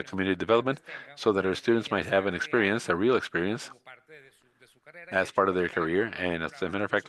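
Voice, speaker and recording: This man from Costa Rica presents at a conference in a low, somewhat bright voice. His English, a second language for him, comes out hesitantly, full of "uh"s and false starts.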